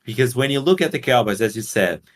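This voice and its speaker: A man's voice: mid-range voice, lively intonation, fast talker. A man from Portugal co-hosting a casual sports podcast, talking bluntly with swearing and rambling explanations. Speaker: podcast co-host.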